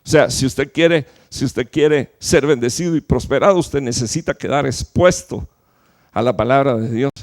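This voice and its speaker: A man preaching a sermon to his church, emphatic, with rhetorical questions and sudden loud peaks followed by low, quiet drops. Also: normal speed. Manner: fillers and restarts while explaining. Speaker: pastor.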